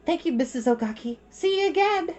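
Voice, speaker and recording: A woman's voice: very high-pitched, animated, a little fast, darkish tone, dull audio, soft background music, pitched above the performer's own voice. A woman voicing a polite, responsible schoolgirl big sister in a children's storybook. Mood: polite, hurried.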